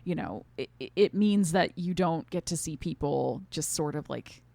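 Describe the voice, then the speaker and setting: A woman with a slightly low voice talks through a review as a podcast co-host. She explains things in a casual, animated, conversational way, peppered with "like" and "right?". The sound is dry, with no room around her. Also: moderate pace, gravelly, no room sound.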